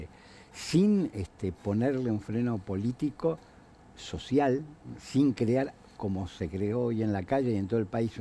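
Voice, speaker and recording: A man's voice: lowish voice, mellow, a little hiss or hum. A man with an Argentine accent speaking as a guest on a political talk show, emphatic and blunt. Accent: Argentine Spanish. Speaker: guest commentator.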